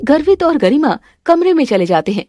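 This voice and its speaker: Woman narrating a drama, lowered storytelling voice. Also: big pitch swings, fairly quick, warm tone, no room sound, clean studio sound.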